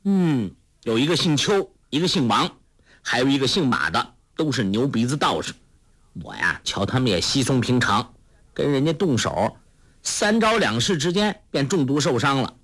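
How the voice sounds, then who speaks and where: A man's voice: sing-song, a bit bright, no echo, studio quality. A man voicing a clever, playful teenage girl in a storybook reading, in a raised, coaxing voice. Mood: pert. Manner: high, quick, coaxing.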